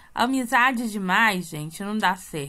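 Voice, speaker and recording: On a very clean recording with a silent background, a woman speaks in a bright, sharp tone at a fairly high pitch, with very wide pitch swings and a fairly slow pace. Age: 40s. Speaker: gossip vlogger. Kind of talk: casual commentary monologue. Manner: animated.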